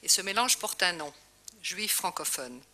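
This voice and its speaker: A woman's voice: lowish voice, animated, moderate pace, pushed and bright. Earnest woman giving a speech. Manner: earnest, personal. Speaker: conference speaker. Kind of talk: prepared speech. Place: conference hall.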